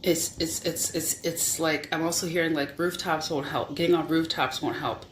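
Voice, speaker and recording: A Christian person sharing a vision as a spiritual testimony, halting, searching for words and repeating phrases. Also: medium pitch, level tone. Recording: roomy echo with faint background hum.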